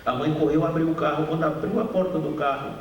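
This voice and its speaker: A man's voice: on the high side, fairly even intonation, fast talker, lo-fi sound. A man from Bahia with a Bahian accent, preaching an emotional sermon and telling stories that rise into passionate appeals. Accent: Bahian Portuguese. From Bahia, Brazil. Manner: storytelling, voice rises into passionate appeals. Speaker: guest preacher. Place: large cultural center hall. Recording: echoey hall, distant mic, faint hiss.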